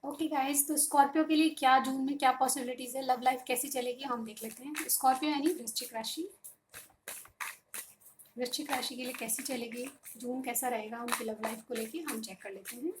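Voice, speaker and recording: A woman giving a casual tarot reading in a chatty, reassuring way, often pausing with fillers and mixing English terms into her talk. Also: high-pitched, steady tone, noisy background. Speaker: tarot reader.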